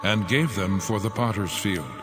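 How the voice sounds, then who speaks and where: A man's voice: lowish voice, moderate pace, music in the background, close to an everyday voice. A man playing a solemn prophet reciting prophecy in a dramatized scripture reading.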